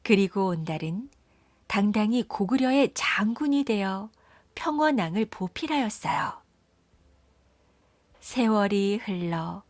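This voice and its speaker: Gentle woman telling folktales. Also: mid-range voice, no room sound. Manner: gentle, measured storytelling. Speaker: storyteller. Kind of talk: storybook narration.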